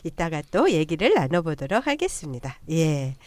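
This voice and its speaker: A woman hosting a podcast panel chat, talking in a chatty, animated way and humming along as others speak. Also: sits low, normal speed, dry recording. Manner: animated, chatty, frequent backchannel hums. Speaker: podcast host. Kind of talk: casual panel discussion.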